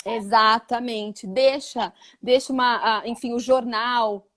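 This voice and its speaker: Brazilian woman teacher, lively chat, acts out quotes, higher pitch. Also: slow pace. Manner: animated, acts out quoted voices. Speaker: English teacher guest. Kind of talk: casual interview chat.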